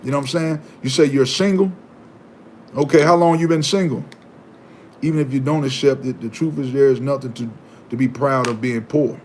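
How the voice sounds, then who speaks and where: A man hosting a live stream, chatting casually and preaching, animated and given to repeating himself. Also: medium pitch, brisk, a little hiss or hum. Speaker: livestream host.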